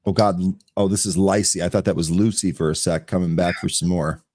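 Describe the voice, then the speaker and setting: A man co-hosting a live trading show, calling out tickers and chart levels in brisk, quick succession. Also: low-pitched, fairly even intonation, darkish tone, no room sound, studio quality. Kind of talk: live market commentary.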